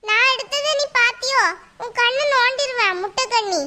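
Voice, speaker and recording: A woman's voice: extremely high pitch, moderate pace, sharp tone. A woman voicing a cheeky, bratty little schoolgirl in a cartoon, with a whiny, tattling manner. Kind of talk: cartoon voice acting.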